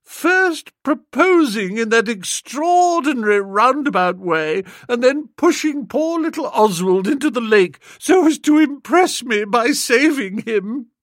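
Man putting on a high managing posh young woman, condescending, lively swoops, dry close sound. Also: a little slow, hardly any pauses, no room sound, heavily acted. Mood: teasing. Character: bossy, self-assured young upper-class woman.

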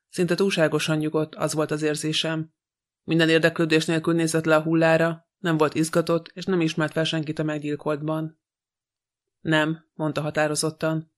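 Egyhangúan olvasó férfi hangoskönyv-narrátor. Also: male voice, a little high. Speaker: audiobook narrator. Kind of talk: audiobook reading of a detective novel.

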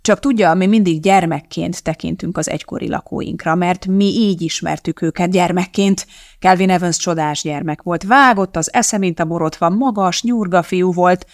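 Castingnote: a reader playing a sly older bishop, smooth and sarcastic, gravelly audiobook voice. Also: male voice, sits high, no room sound, studio quality. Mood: persuasive.

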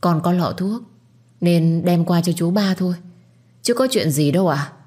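A woman's voice: fairly low pitch, normal speed, warm tone, lightly acted. A woman voicing a scheming young daughter-in-law who argues defensively and then begs in an audio story. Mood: indignant. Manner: pleading, defensive. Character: scheming young wife of the eldest son, defensive.

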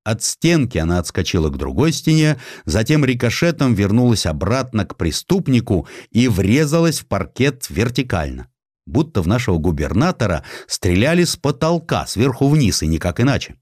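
Man as a sardonic, animated sceptical journalist. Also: mid-range voice, normal speed, no echo, studio quality. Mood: sardonic reasoning. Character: sceptical, sardonic male journalist arguing a case.

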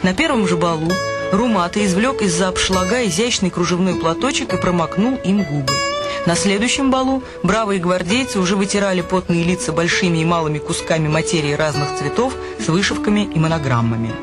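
A man narrating a literary radio play in a measured, expressive way. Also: high voice. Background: music.

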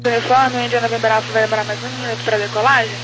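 A female air traffic controller issues procedural instructions over aviation radio. She speaks quickly in a flat, even tone, and the channel carries clear hum and noise. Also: a little high. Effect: aviation two-way radio.

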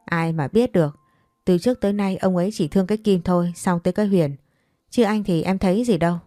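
Woman playing a scheming stepmother who argues back, low mellow voice. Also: fast, no room sound, clean studio sound, soft background music, lightly acted. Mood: quarrelsome. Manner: argumentative, defiant.

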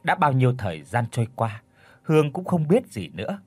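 A man narrating an audio story in a dramatic, expressive way. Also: mid-range voice, fairly quick, breathy edge, no room sound.

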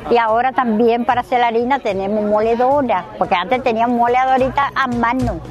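A woman's voice: fairly high pitch, fairly even intonation, a little fast, muffled recording, over music. A woman farmer outdoors, chatting and explaining her corn. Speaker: rural farmer interviewee.

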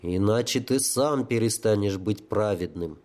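A man voicing a cunning dead sapper who speaks smoothly and with authority. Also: on the low side, unhurried, a little mellow, close to an everyday voice. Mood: commanding.

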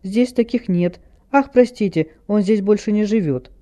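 A man's voice: high-pitched, normal speed, warm tone, voice pushed up, natural voice. A man reading an audiobook, voicing a flustered woman who answers the phone in a sing-song, hesitant manner. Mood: flustered polite. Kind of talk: audiobook character voice.

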